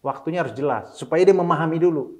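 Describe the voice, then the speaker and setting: Animated middle-aged man telling of fatherhood. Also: a little high, fast. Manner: mixes in English phrases, animated when quoting his kids. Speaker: interview guest, single father. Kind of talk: casual interview talk.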